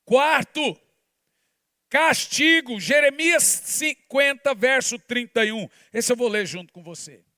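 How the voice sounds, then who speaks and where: A man, preaching a sermon as pastor, shifting between forceful shouts and hushed asides. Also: very high voice, lively intonation, takes it slowly, no echo, clean studio sound.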